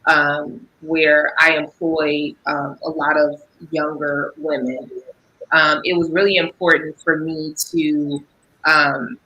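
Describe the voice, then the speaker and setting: A woman entrepreneur on a panel speaking hesitantly with many pauses. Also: deep voice, flat delivery, bright, forceful tone, lo-fi sound. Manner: slow, hesitant. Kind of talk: panel discussion.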